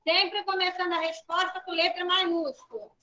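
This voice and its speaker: A woman's voice: very high-pitched, level tone, moderate pace, sharp tone, rough recording. A woman teaching a video lesson for children in Brazilian Portuguese, patiently spelling out syllables and letters.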